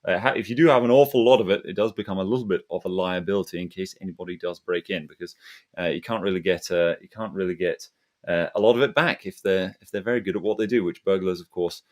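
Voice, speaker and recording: A man hosting a casual panel discussion, speaking in a hesitant, rambling way. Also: sits low. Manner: hesitant, halting, rambling delivery. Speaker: host of an investment discussion.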